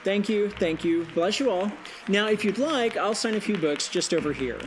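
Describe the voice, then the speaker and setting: A woman playing a devout, folksy Christian novelist who gently chides in an audio drama, with music behind. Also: mid-range voice, normal speed, crowd noise, close to an everyday voice. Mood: pious, gracious. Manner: folksy, pious, gently chiding.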